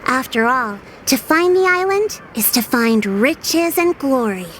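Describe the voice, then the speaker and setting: A woman playing a composed, courteous female tribal chief in a video game, speaking in a formal, measured way. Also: sits high, animated, a bit bright, slight background noise, poor audio. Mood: storytelling. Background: music.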